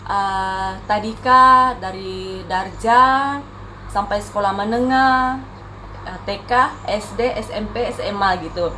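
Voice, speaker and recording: A woman's voice: mid-range voice, takes it slowly, bright, forceful tone, slight background noise. A woman in her thirties from Sabah with an Indonesian-tinged Tawau Malay accent, chatting casually to camera with many fillers and self-corrections. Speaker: vlogger.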